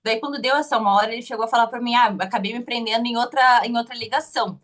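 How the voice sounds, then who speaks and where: A woman's voice: a little high, steady tone, very fast, fairly bright tone. A young woman with a Curitiba Brazilian Portuguese accent, telling her interview story casually, hesitant with many restarts.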